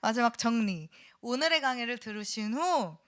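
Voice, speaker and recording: A woman's voice: fairly high pitch, normal speed. A middle-aged woman lecturing in a church classroom, asking the class questions and sometimes dropping to a whisper. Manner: animated, asks the class questions, drops to a whisper at times. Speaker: seminary lecturer.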